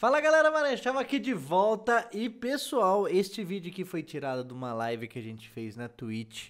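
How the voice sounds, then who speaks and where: Over a quiet background, a man talks at a fairly slow pace with very wide swings in pitch. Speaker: gaming streamer. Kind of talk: casual vlog chat. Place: home room. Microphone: studio mic.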